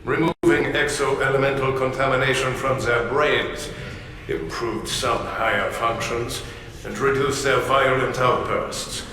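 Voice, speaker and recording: Fanatical scientist, cavernous echo. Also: male voice, medium pitch, steady tone, measured pace, sharp tone. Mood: clinical. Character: fanatical Nazi scientist dictating cold research logs. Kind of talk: dramatic video game monologue. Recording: echoing distant hall, clear background noise.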